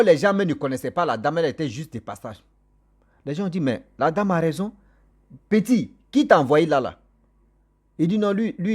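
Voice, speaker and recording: A storyteller vlogger who isn't a native French speaker tells his viewers a story in casual spoken form, lively, repetitive and chatty. He addresses them warmly and directly, with a slightly high, husky voice and an animated manner.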